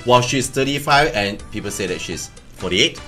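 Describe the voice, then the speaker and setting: Bright, teasing male host. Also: mid-range voice, lively intonation, a little fast, soft background music. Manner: teasing, jokey. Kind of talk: casual studio interview. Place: web radio studio.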